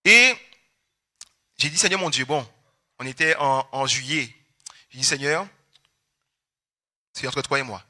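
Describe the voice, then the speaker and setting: A young Guadeloupean man preaching a personal testimony, animated and storytelling, acting out his family's words. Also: medium pitch, measured pace, pauses often. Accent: Guadeloupean French. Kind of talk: testimony sermon.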